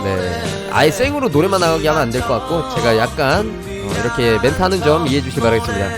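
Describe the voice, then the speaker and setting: Over background music, a male streamer with a medium-pitched voice talks very fast and very animatedly. He gives live game commentary and tutorial, addressing his viewers and thanking donors.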